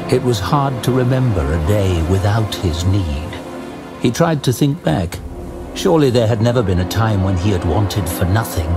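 A man narrating a scripted fantasy story dramatically, in a measured, suspenseful manner. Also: on the low side. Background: music.

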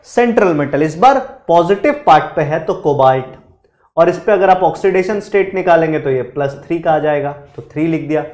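A man teaching chemistry in a live online lecture, animated, quizzing his students and mixing in English terms. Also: on the high side, normal speed, reverberant. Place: studio classroom.

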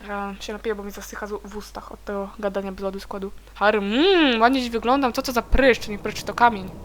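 A woman chatting casually and giggling as she plays through a video game, now and then letting out shrill shrieks. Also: steady tone, fairly quick, slight background noise, low-quality recording. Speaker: let's play gamer. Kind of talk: casual gameplay commentary.

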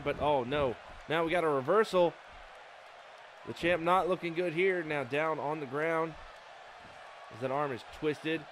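A man giving excited play-by-play commentary over a wrestling video game, breaking into exclamations as the moves land. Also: a little high. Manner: excited exclamations, rising with the action. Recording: noisy game audio behind.

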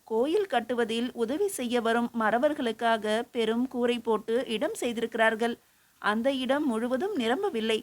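A woman's voice: fairly high pitch, expressive, moderate pace, lightly acted. Woman voicing a humble young scholar. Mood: respectful. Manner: respectful, earnest pleading.

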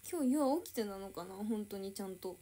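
A woman's voice: mid-range voice, brisk, dark tone. A young woman idol chatting casually on a livestream, reading and answering viewer comments.

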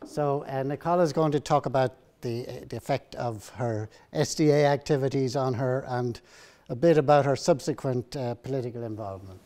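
An older man moderating a university panel event, introducing the next speaker in a halting way with many uhs. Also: mid-range voice, warm tone. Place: university hall with a seated audience.

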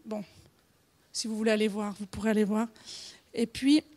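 A woman's voice: medium pitch, fairly even intonation, normal speed, darkish tone. A woman in her forties with a Genevan Swiss French accent, giving an informal conference talk with many fillers, restarts and small laughs. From Switzerland. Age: 40s. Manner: hesitant, frequent fillers and restarts, laughs often. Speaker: conference speaker.

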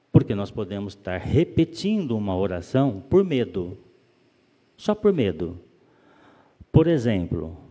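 A man giving a calm, explanatory spiritist lecture, often asking rhetorical questions. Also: medium pitch. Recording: long reverb of a hall.

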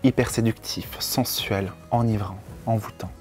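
A man's voice: lowish voice, fairly even intonation, unhurried, a little mellow. Young Belgian-accented man, earnest expert guest, faint music behind. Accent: Belgian French. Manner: earnest, explains with set phrases. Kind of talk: explanatory chat. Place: small room at a table.

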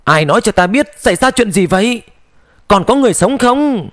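A man voicing a grieving immortal hero who shouts with a trembling voice into an empty void. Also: high voice, lively intonation, a little fast, no echo, clean studio sound.

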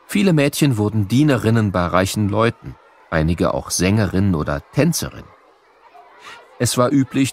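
A man with a standard German accent narrating scripted educational material for children in an explanatory, storytelling manner. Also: lowish voice. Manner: explanatory, storytelling, addressing listeners with questions.

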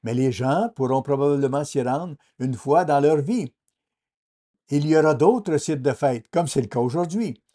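Mellow-voiced man dubbing a sermon. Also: on the high side, a little slow. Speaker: sermon translator. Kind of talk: dubbed sermon voice-over.

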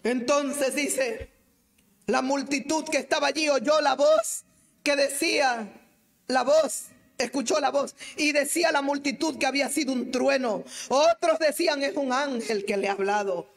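A woman evangelist preaching a sermon, swinging between fervent shouting and soft, prayerful murmurs. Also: sits high, measured pace, gravelly. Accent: Latin American Spanish.

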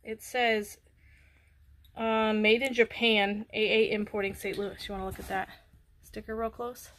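A middle-aged woman talks casually as she unboxes finds, naming each item as she goes. The recording comes from a camera on a table in an indoor workroom. A clear bed of noise and clicking runs underneath her voice. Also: mid-range voice, little pitch movement, measured pace, a bit bright. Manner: chatty, narrates items as she unpacks them. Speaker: host of a resale channel.

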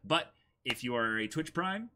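A man's voice: medium pitch, animated, normal speed, background noise. A man in his twenties with a North American accent, chatting casually as co-host of a livestream. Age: 20s. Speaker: streamer and co-host. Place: small indoor room.

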